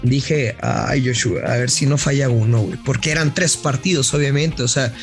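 Upbeat Mexican betting segment host. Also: male voice, medium pitch, normal speed, faint music behind. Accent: Mexican Spanish. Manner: chatty, upbeat storytelling. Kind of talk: casual sports podcast segment.

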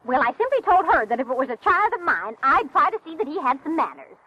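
High-voiced, indignant chatterbox, old radio. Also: female voice, sing-song, fast, sharp tone, no echo, exaggerated voice. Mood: indignant, flustered. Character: self-absorbed, chattering woman on a payphone. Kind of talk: old-time radio acting. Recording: noisy, muffled old radio recording.

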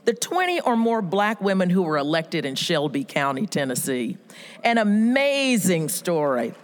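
A woman's voice: on the low side, sing-song, moderate pace. A woman speaking in a big hall. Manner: emphatic, storytelling, swoops up for quoted voices. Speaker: speaker at a women's event. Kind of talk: motivational speech. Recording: reverberant hall.

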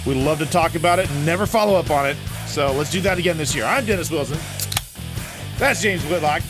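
A man's voice: a little high, quick pace, over loud music. A man hosting a sports podcast in a casual, chatty style.

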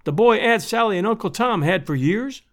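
Guy putting on a chatty farm wife from a storybook, high voice, really lively, folksy and kind. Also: normal speed. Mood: warm welcome. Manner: folksy, exclaiming and fretful. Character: cheery, kind-hearted, talkative rural married woman. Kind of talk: storybook character voice.

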